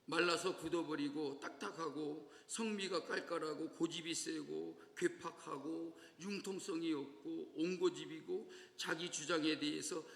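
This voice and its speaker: A male pastor giving a sermon in a church, lively and often asking the congregation questions. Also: a little high, gravelly. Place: church sanctuary. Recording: echoey church hall reverb.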